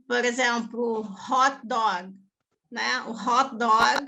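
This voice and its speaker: A woman's voice: on the high side, fairly even intonation, drawn-out words, gravelly, sharp tone, a little hiss or hum. A woman teacher with a Brazilian accent, talking casually about language and pronunciation and often tagging her sentences with questions. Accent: Brazilian Portuguese. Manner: chatty, often adds tag questions. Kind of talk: casual talk on language and culture.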